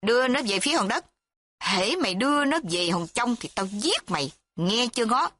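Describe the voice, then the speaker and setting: A woman reading a story voices a gruff, scheming older father who scolds. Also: medium pitch, expressive, moderate pace, fairly bright tone. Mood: cursing.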